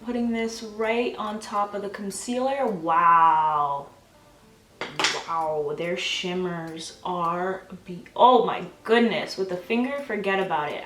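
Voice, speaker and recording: A woman's voice: mid-range voice, a bit bright, roomy sound, recorded from a distance. A young woman chatting bubbly and gushing through a makeup tutorial at home, talking straight to her viewers. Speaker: beauty vlogger. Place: home, filming herself.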